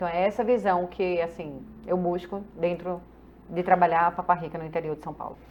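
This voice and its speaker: A woman with a northeastern Brazilian accent speaks at a fairly quick pace in a fairly low, monotone voice with flat intonation. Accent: noticeable Northeastern Brazilian. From Northeast Brazil, Recife. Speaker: businesswoman. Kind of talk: talk show interview.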